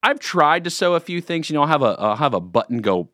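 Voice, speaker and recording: A man hosting a morning radio show, chatting in a jokey, rambling, animated way in a studio. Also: a little high, fast, no echo. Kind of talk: casual morning radio banter. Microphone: studio microphone.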